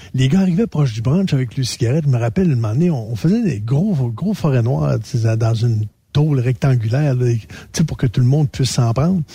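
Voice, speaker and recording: Dark, mellow, somewhat breathy tone from a man at medium pitch, fairly quick pace and lively intonation. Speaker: radio columnist, former trucker. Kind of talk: casual chat.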